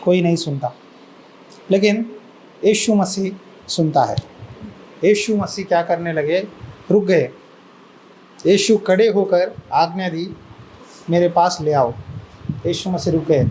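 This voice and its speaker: A man with a high voice preaches a sermon as a pastor. He tells the story in an animated way, acts out the people in it and keeps asking the listeners questions before answering them himself. A faint noise sits under the recording. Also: unhurried, pauses often, rough recording.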